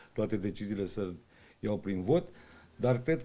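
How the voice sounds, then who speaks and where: In a dark, mellow tone, a man talks at a moderate pace with ordinary pitch variation. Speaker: party politician. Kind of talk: interview answer. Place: hall.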